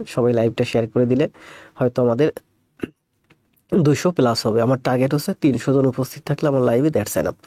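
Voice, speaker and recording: A man with a cold, speaking slowly and softly as he greets viewers before his live math class. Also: medium pitch, no echo. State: has a cold. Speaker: math teacher.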